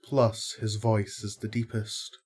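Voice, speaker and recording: A man playing a kindly, fair-minded archangel in an audio drama, explaining things in a measured, wry way. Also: fairly low pitch, level tone, darkish tone, slightly rough. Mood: thoughtful.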